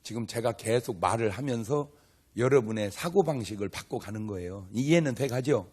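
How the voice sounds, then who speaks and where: A medium-pitched, animated man's voice, slightly mellow and breathy, moves along at an ordinary pace. He is an older pastor giving a lighthearted revival sermon live, narrating chattily, voicing characters, and drawing the congregation into back-and-forth questions and teasing.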